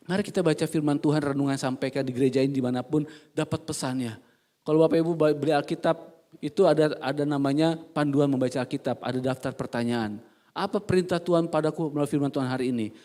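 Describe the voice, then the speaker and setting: During a church service, a male pastor preaches a humorous, animated sermon, quizzing the congregation and shifting between quiet asides and loud, emphatic bursts. His pitch is fairly high.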